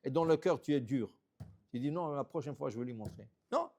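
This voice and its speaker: A man, a rabbi, telling stories in a sermon, animated, repeating phrases and checking in with "ok?". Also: medium pitch, brisk. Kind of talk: storytelling sermon.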